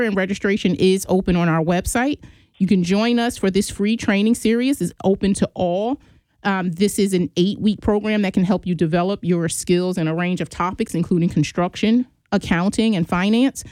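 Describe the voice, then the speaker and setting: With a warm, medium-pitched voice and no room sound, a radio host for a business chamber cheerfully promotes upcoming events before greeting her interview guest.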